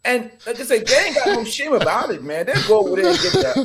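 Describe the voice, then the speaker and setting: A man's voice: extremely high pitch, fast talker, a crowd in the background. A man from the Bahamas, a podcast guest talking in an emphatic, opinionated, casual way. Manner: emphatic, animated, laughs while talking.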